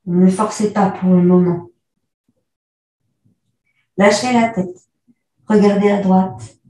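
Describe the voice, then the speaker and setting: A woman yoga teacher guiding a class through postures, calmly cueing breath and movement step by step. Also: medium pitch, far from the mic. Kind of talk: guided yoga class instruction. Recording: echoey room, voice from afar.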